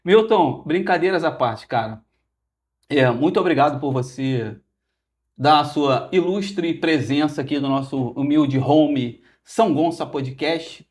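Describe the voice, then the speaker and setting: Hosting a podcast interview, this man jokes and plays around as he chats casually with his guest, his Brazilian Portuguese carrying a Rio de Janeiro area accent. His voice sits on the high side, with a darkish tone and an unhurried delivery.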